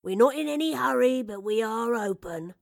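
A woman's voice: on the high side, expressive, moderate pace, vocal fry, no echo, clean studio sound. A woman voicing an elderly male map-shop keeper in an audiobook story, kindly and playfully grumbling, with old-fashioned fond turns of phrase. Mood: kindly, welcoming. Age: older.

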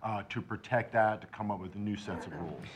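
A man moderating a panel, asking conversational, somewhat halting questions. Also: lowish voice, noisy background.

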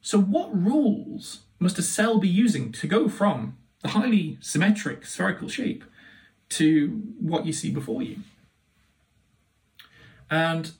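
A man's voice: high-pitched, gravelly, recorded from a distance, poor audio. A man speaking as a university lecturer, explaining in an enthusiastic, emphatic and conversational way. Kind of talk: explanatory academic talk.

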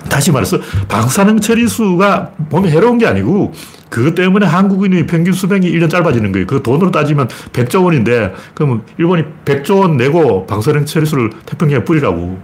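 A man giving a casual spoken lecture, arguing forcefully with rhetorical questions and acting out quoted voices. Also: a little high, big pitch swings, fast.

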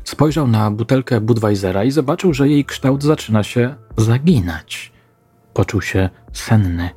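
A man narrating a scripted crime story in a slow, measured way. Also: mid-range voice, expressive, mellow, breathy edge, faint music behind.

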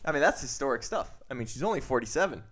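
A man in his thirties co-hosts a chatty podcast, recapping film news and sliding into friendly squabbles. His voice sits at an average pitch but moves lively up and down. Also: very fast, crowd noise. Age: 30s. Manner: newsy, gets into playful bickering. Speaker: podcast co-host. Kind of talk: casual banter.

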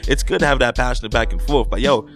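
A man's voice: mid-range voice, fast, fairly bright tone, faint music behind. A young man in his twenties from the Los Angeles area, a podcast guest talking casually and enthusiastically in slangy street speech. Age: 20s.

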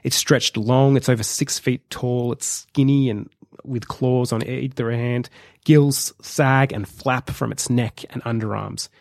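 A male podcast host narrating a comedic film pitch in a vivid, measured storytelling way. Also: steady tone, gravelly, darkish tone, no echo. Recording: dry close sound.

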